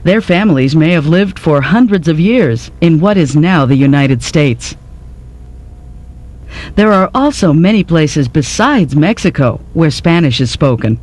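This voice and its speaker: Male narrator, scripted lecture delivery, slightly high pitch, educational. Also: expressive, unhurried, darkish tone.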